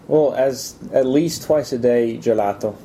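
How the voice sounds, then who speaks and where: A young man answers interview questions in a relaxed, stop-and-start way, filling the gaps with ums and uhs. His voice is deep-toned and very mellow. A faint rumble sits under the recording. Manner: relaxed, halting, many fillers and restarts. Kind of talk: casual interview.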